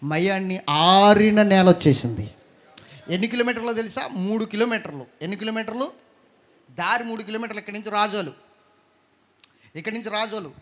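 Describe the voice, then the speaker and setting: A pastor preaching a sermon, fervent, swinging from quiet storytelling to loud exclamations and calls for praise. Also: male voice, high-pitched, fast talker, long pauses.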